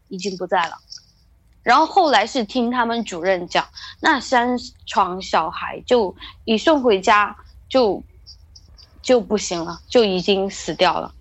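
A woman's voice: fairly high pitch, expressive, normal speed. A woman casually telling a hospital ghost story in a rambling way, with many restarts and fillers. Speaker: guest storyteller.

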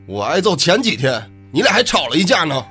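A man's voice: on the high side, big pitch swings, brisk, faint music behind. An actor playing a furious, grieving young man who hurls accusations and curses in a radio drama. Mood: accusing. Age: young adult. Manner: cursing, accusatory shouting.

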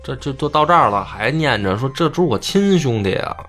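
A man's voice: medium pitch, expressive, a little fast, a bit bright, faint music behind. A man doing a timid young merchant, pleading. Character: meek, kind-hearted young merchant husband.

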